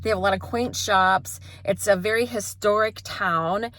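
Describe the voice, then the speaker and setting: A woman's voice: mid-range voice, steady tone, moderate pace, fairly bright tone. A woman hosting a casual vlog, chatting and asking interview questions. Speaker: host and interviewer, therapist. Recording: clear vehicle and outdoor background noise.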